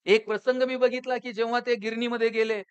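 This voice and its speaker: A man giving a motivational public lecture, telling stories and asking the audience rhetorical questions, swinging between loud and hushed delivery. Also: very high voice, flat delivery, fairly quick, smooth, no room sound, lo-fi sound. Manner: rhetorical questions and storytelling, rises and drops in loudness.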